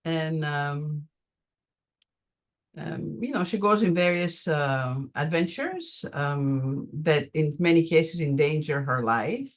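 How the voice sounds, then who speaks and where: An older woman from Greece with a Greek accent, answering audience questions on a video call with many pauses and ums. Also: low-pitched, animated. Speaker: conference presenter answering questions.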